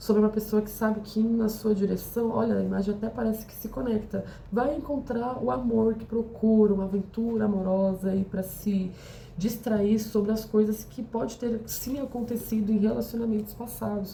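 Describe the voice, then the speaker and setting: A soft-spoken woman talks at a moderate pace with a fairly high pitch and fairly even intonation. Noticeable background noise runs underneath. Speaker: tarot reader. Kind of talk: tarot reading monologue. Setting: at home at night. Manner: speaking softly, late at night.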